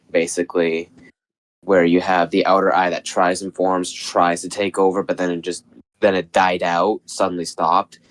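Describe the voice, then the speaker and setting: A man guest on a live weather stream, a little raspy from being sick, explaining storm data steadily. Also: low-pitched.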